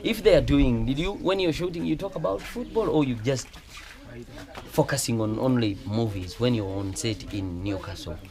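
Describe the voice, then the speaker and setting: A man's voice: mid-range voice, lively intonation, moderate pace. A man with a Ugandan accent hosting a casual interview on a film set, hesitant with many fillers and restarts. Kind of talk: casual interview, switching to Luganda commentary. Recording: crowd chatter behind.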